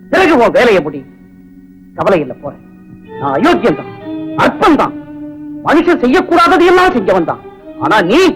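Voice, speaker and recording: A man's voice: extremely high pitch, exaggerated voice, poor audio. A raging, then remorseful man. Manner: shouting then grave, reproachful speech. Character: remorseful hot-tempered man, self-accusing. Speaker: repentant villain in a film. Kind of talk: 1980s film acting. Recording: film soundtrack with music behind.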